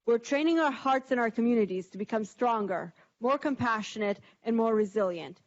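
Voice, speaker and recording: A woman reads prepared remarks in an earnest, measured way. Her voice sits a little high. The recording is dull and lo-fi. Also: lively intonation. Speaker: panel speaker.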